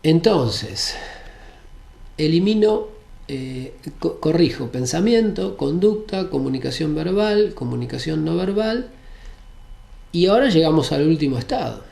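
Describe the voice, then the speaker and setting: A man's voice: on the high side, expressive, unhurried, creaky, warm tone, roomy sound. A man giving a spiritual self-help talk, explaining step by step and checking in with "¿está bien?". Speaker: spiritual teacher. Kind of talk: recorded talk on personal change.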